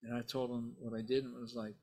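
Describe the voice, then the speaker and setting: Speaking fast in a level, darkish, medium-pitched voice, an older Italian-born man tells stories as a bassist guest in a relaxed interview. He rambles and peppers his talk with "you know" and "right?".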